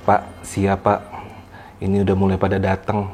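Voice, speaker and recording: A man doing a hushed, uneasy young man. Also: sits low, monotone, moderate pace, voice pushed down, lightly acted. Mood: urgent hushed. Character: jumpy young man sensing spirits, warning his leader.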